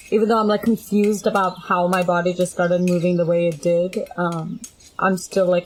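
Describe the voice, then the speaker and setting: A woman's voice: lowish voice, slight background noise, poor audio. A woman playing a tabletop game, chatting casually and tentatively as she describes her actions.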